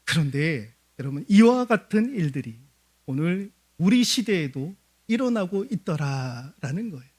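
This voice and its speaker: A man delivers a church sermon with a high voice that rises and falls constantly. He keeps asking the congregation questions and answering them himself, in a lively preaching manner. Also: a little slow. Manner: animated preaching with rhetorical questions; addresses the congregation often. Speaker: pastor. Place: church service.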